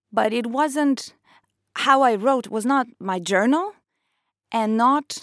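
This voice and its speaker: In a very clean recording with a silent background, a woman speaks with an Italian accent, the sound dry and close with no echo. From northeast Italy, near Trieste. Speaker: author and podcaster. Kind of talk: interview.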